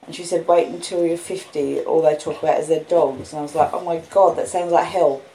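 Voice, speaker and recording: Reading a classic novel aloud at home, a fifty-something Australian woman mixes audiobook-style narration with chatty asides to her pet dogs. Her low, mellow voice keeps a fairly even intonation and moves fairly quickly. There's a little hiss or hum on this low-quality recording.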